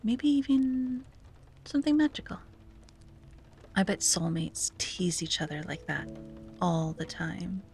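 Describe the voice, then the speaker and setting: A woman playing a wistful, self-doubting young sea-witch in an ASMR roleplay, speaking softly and breathily with hesitant musing and frequent drops to a whisper. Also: on the low side, unhurried, pauses often, faint music behind. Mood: dreamy, longing. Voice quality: breathy, often dropping to a whisper. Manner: hesitant, musing, sighing, gently playful. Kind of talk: ASMR roleplay, soft intimate monologue.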